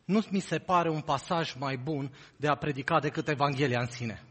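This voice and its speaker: A man preaching a sermon as pastor, reading scripture aloud slowly and earnestly. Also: a little high, a bit bright, slightly rough. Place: church hall. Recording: reverberant hall.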